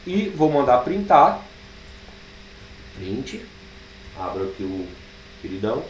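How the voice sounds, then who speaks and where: Brazilian guy teaching code, talks slow and thinks out loud, a bit off mic, faint hiss. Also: mid-range voice, very animated, recorded from a distance. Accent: Brazilian Portuguese. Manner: slow, thinking aloud while typing code, drawn-out fillers. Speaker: programming teacher. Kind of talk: live coding class. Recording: echoey room, speaker away from the mic, faint background noise.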